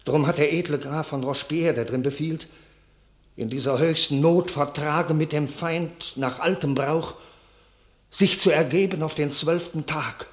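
A man's voice: on the high side, a little slow, lightly acted. A man playing an anxious councillor of a besieged town in a classical radio drama, declaiming solemnly. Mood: grave, pleading.

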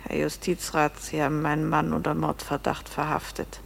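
An actress playing a guarded innkeeper's wife under questioning in a radio crime drama, terse, controlled and defiant. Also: female voice, low voice, monotone, moderate pace, gravelly, slight background noise. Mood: cool, defiant. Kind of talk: German radio play acting.

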